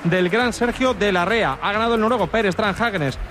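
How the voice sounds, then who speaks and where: A man's voice: high voice, fairly quick, a bit bright. A man with an accent from Spain reading out sports scores and statistics on the radio. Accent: Spanish from Spain. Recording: radio broadcast with faint background noise.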